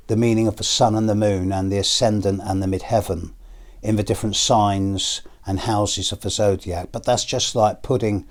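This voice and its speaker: Hoarse, deep-voiced British man. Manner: slow, measured, with pauses and fillers. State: hoarse and coughing after illness. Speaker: astrologer. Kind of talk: personal video to viewers.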